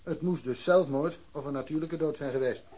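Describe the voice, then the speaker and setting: An actor playing a blunt, dismissive police detective in a radio drama, offhand and colloquial. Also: male voice, fairly high pitch, a little fast, dark tone, breathy edge. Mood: self-assured. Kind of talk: Dutch radio drama acting.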